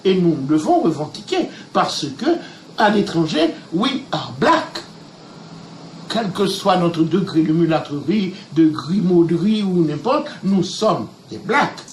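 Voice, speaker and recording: A man's voice: sits high, big pitch swings, slow, slight background noise. Emphatic man in an echoey room. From Haiti. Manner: emphatic, oratorical. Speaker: interviewee. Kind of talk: impassioned commentary.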